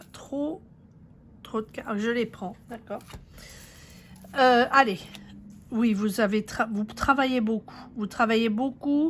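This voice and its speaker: Using ordinary pitch variation, a woman speaks at a fairly high pitch and takes long, frequent pauses. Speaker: tarot reader. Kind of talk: tarot reading. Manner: hesitant, filler-heavy; not fast, by own account.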